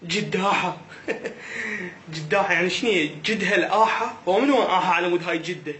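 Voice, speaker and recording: Playful Iraqi man with a high voice. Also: brisk, pushed and bright, slight background noise. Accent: Iraqi Arabic. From Iraq. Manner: playful, joking, mock-puzzled. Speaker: vlogger. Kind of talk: comedic vlog monologue.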